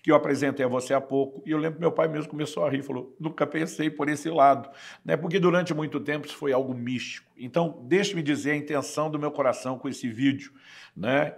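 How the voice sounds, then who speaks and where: A middle-aged pastor with a Brazilian Portuguese accent explains scripture in an earnest, measured way, weaving in his own testimony. His voice sits at an ordinary pitch but carries a rough, gravelly edge. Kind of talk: teaching sermon with personal testimony.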